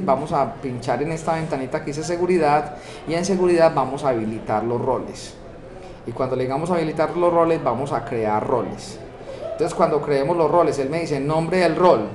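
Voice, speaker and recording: A man with a Colombian Spanish accent, teaching a software course and walking through a screen-recorded tutorial step by step, often checking in with rhetorical questions. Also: fairly high pitch. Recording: echoey room with steady background noise.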